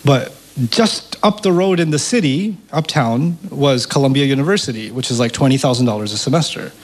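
A man whose first language is Urdu tells a personal story as an interview guest, animated and repeating words as he gets excited. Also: mid-range voice, a little fast, rough recording. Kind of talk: storytelling in conversation.

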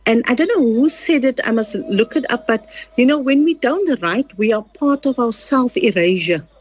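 A woman's voice: on the high side, lively intonation, normal speed. A woman whose first language is Afrikaans, speaking with a South African Afrikaans accent, talking earnestly as a writer in an interview, with many fillers and restarts. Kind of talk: casual conversational interview.

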